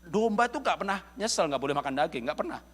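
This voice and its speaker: A middle-aged male pastor from Indonesia giving a lively, humorous church sermon, often chuckling as he speaks to the congregation. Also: sits high, fast talker. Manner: jokey, addresses congregation as "saudara", chuckles often. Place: church service.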